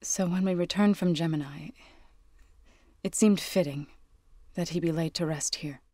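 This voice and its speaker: An actress voicing an earnest young tribal woman warrior in a video game, grave and devout, with measured, careful phrasing. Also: lowish voice, dark tone, dry recording, clean studio sound, natural voice. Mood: wistful. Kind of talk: video game character voice acting.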